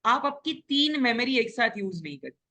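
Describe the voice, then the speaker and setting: A man's voice: very high-pitched, very animated, normal speed, sharp tone. A young man, a top-ranked exam guest, explaining his study methods earnestly and step by step, mixing in English. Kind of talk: casual interview chat.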